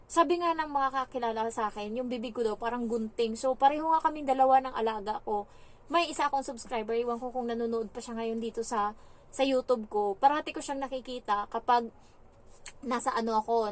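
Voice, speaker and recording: Young Filipina domestic helper vlogging casually, chatty and animated, voice sits a little high. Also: female voice, fairly quick. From Philippines. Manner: chatty, animated storytelling with fillers. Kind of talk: casual storytelling vlog.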